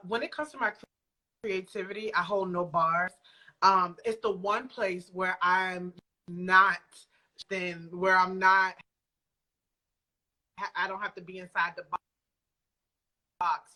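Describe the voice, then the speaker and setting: A woman speaking as an interview guest on a remote call, informal and reflective, often halting as she works out her answers. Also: medium pitch, steady tone, bright, forceful tone, poor audio. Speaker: guest, audio drama creator. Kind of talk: casual interview chat. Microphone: remote video call.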